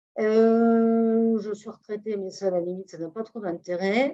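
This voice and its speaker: A woman's voice has a dark, mellow tone at a medium pitch, its pitch varying in an ordinary way. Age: 60s. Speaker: former smoker, association volunteer. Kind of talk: testimony. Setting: webinar. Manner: hesitant, many fillers.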